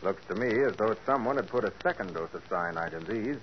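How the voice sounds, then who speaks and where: An actor playing a calm, shrewd private detective in a 1940s radio drama, reasoning steadily. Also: male voice, fairly low pitch, fast, close to an everyday voice. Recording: dull old radio broadcast with faint hiss.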